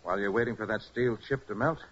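An actor playing a brisk, confident American master detective in a 1940s radio drama, speaking with crisp authority. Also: male voice, on the low side, a bit bright, natural voice. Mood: methodical. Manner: crisp, authoritative, matter-of-fact. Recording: muffled, hissy 1940s radio recording.

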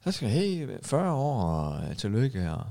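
Gravelly, lively male podcast host. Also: medium pitch. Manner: storytelling, animated, laughs often. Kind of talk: casual chat.

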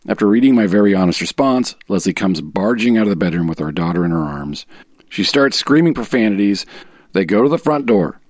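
A man voicing an aggrieved husband in a dramatic reading of a sworn legal statement, measured, formal and self-righteous. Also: fairly low pitch, darkish tone, no room sound.

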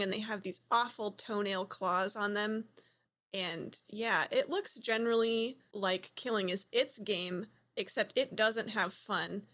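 A woman's voice: on the high side, a bit bright. A woman playing a tabletop role-playing game, describing a monster with wry, hesitant humor. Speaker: player. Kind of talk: casual tabletop play.

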